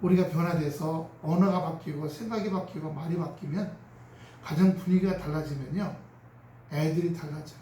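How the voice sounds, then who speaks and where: A man preaches a sermon in a fairly high voice, shifting into acted prayers and chuckling as he goes. He sounds set back from the microphone, and his voice rings through a reverberant church sanctuary. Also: moderate pace, slight background noise. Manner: animated preaching, acting out prayers and quarrels; chuckles often while speaking. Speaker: pastor. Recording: roomy echo from a distant mic.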